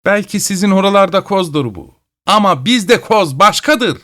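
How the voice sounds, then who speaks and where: A man voicing a shrill, screechy old witch who cheats at cards and taunts her opponent. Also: expressive, moderate pace, pushed and bright. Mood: mocking. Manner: mocking and taunting. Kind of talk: storytelling.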